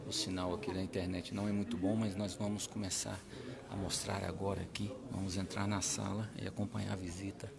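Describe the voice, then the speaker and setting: Low gravelly man reporting live. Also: flat delivery, a little fast. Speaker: livestream reporter. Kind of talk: live narration. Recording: crowd noise behind.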